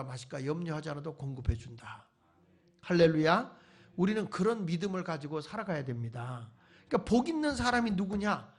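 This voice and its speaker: A male pastor preaching at a church revival meeting, firing rhetorical questions at the congregation and mixing in folksy humor. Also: high-pitched. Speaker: pastor, guest revival speaker. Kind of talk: sermon.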